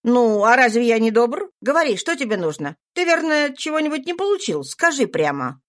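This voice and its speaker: A woman reading aloud, voicing a young wealthy male master who talks briskly and animatedly. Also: fairly high pitch, big pitch swings, pitched above the performer's own voice. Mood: brisk questioning.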